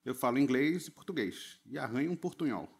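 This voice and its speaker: Laid-back man translator, lively pitch. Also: a little fast, gravelly, husky. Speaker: translator guest. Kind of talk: casual comic interview.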